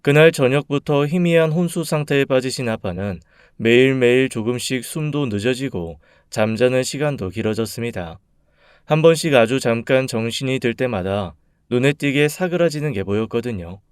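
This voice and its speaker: A man narrating a read-aloud personal story in a calm, measured, soft-spoken way. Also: mid-range voice, smooth, no echo, studio quality.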